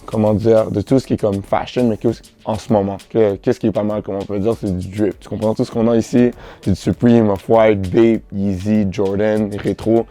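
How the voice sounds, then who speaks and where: A young man with a Québécois French accent, answering interview questions in a relaxed, slangy way, often restarting his sentences. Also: on the low side, moderate pace, hardly any pauses. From Montreal, Canada. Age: teens. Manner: relaxed, slangy, repeats himself with many restarts. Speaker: boutique founder, interviewee.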